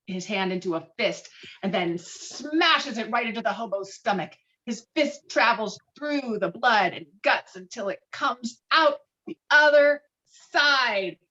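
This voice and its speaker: A woman reading screenplay stage directions with dramatic, expressive delivery over a video call. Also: medium pitch, lo-fi sound. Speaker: stage directions reader at a table read.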